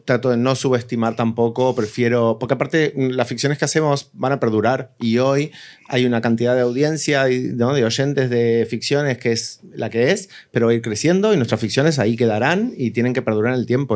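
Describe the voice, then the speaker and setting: A man's voice: medium pitch, a little fast, darkish tone. A man explaining his views as a writer on a panel, in a reflective, conversational way. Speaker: audio fiction writer, panelist. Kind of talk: casual panel discussion. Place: live panel event with several speakers.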